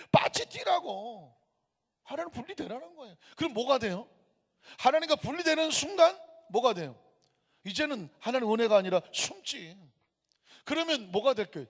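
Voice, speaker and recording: A man's voice: extremely high pitch, vocal fry, a bit bright, husky. A pastor in his fifties preaching emphatically in a church, with rhetorical questions and storytelling. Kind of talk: sermon. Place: church sanctuary. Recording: long church-hall reverb.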